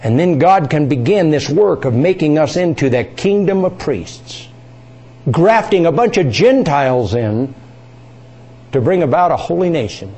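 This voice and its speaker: A man's voice: on the high side, lively intonation, a little slow, dark tone, slightly rough. A man preaching a sermon, reading scripture aloud and asking his congregation questions.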